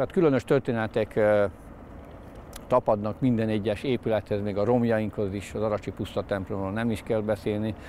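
A man's fairly low-pitched voice with a dark, mellow tone, fairly even intonation and a fairly quick pace, dry with no echo, over light background noise. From Vojvodina, Serbia (Hungarian minority). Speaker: artist from across the border; interviewee. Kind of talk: interview. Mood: calm, reflective. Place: open country. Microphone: lapel.

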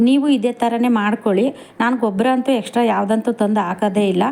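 The woman's pitch is fairly high, with fairly even intonation. Her tone comes across dark and mellow. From rural Karnataka, India. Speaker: gardening vlogger. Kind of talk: casual vlog tutorial.

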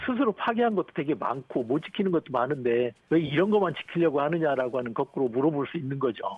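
Barely pausing, a man rattles along at a very fast pace with a fairly high pitch and lively intonation. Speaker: professor of public administration. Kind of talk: radio interview. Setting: phone call. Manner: halting, many fillers.

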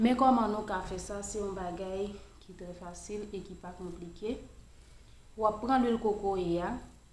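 Amid light background noise and audible room echo, a woman talks at a moderate pace with fairly even intonation and big swings in loudness. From Haiti. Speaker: YouTuber giving home remedy tips. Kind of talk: tutorial. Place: home room. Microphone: webcam.

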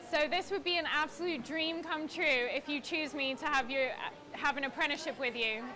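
A woman's raised, projected voice with a southern English accent, high in pitch, at a fairly quick pace, with ordinary pitch variation, very even loudness and light background noise. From England (Brighton). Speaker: hairdresser, cosmetology student. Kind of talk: competition audition video to camera. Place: shop.

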